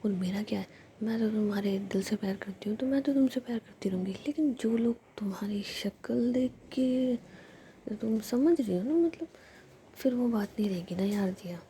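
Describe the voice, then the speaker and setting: A woman voicing a teasing, bossy and affectionate young woman in a soft whisper, as part of a whispered story. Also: mid-range voice, moderate pace, a little hiss or hum, close to an everyday voice.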